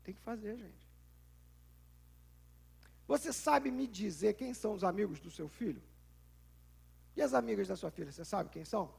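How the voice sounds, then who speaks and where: A man's voice: high voice, lively intonation, moderate pace, gravelly, pauses often, darkish tone, slightly rough. A male pastor with a Brazilian Portuguese accent preaches a conversational sermon, firing rhetorical questions and acting out little scenes.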